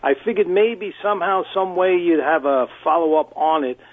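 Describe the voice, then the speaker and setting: A man's voice: fairly high pitch, steady tone, normal speed. A man with a New York accent calling in to a radio show, speaking in a friendly, hesitant way. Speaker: caller. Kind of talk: call-in phone chat. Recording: tinny phone line.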